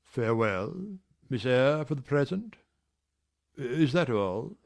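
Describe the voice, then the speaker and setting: A man voicing a brusque, teasing, middle-aged gentleman employer in a dramatized reading of a classic novel. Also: medium pitch, very animated, takes it slowly, heavily acted. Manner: gruff, teasing, commanding.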